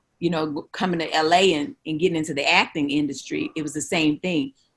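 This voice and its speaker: A woman talks with a North Carolina accent. Her pace is moderate. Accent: Southern US (North Carolina). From US South, small-town North Carolina. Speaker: content creator and actor. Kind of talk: interview. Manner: animated.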